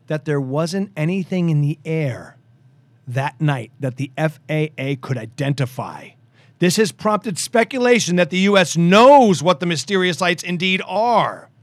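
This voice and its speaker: A man from the United States hosting a podcast, chatting casually and breaking into animated, loud rants. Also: a little high, no room sound. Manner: animated, loud and ranting at times. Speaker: podcast host. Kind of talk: casual podcast chat with ranting.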